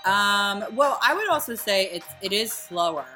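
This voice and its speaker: A woman's voice: medium pitch, animated, moderate pace, bright, forceful tone, soft background music. A woman with a Delco accent from the Philadelphia suburbs, chatting casually and irreverently as a podcast host. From Delaware County, Pennsylvania. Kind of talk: casual chat.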